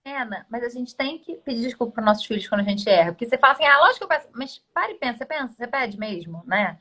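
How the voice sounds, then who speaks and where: Quick, emphatic woman hosting a live chat. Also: on the high side, animated, fairly bright tone. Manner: emphatic, acts out little dialogues. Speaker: host. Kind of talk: live conversation.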